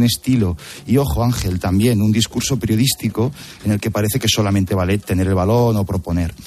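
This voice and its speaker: Here a man with an unremarkable speaking voice talks at a fairly low pitch with ordinary pitch variation. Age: 30s. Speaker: journalist, commentator. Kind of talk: radio panel discussion.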